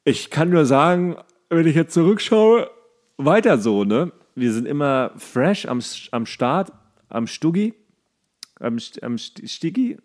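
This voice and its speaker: A man's voice: a little high, sing-song, unhurried, darkish tone. A man co-hosting a podcast in casual comedic chat, tipsy and tired, rambling and jokey as he goes. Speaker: podcast co-host.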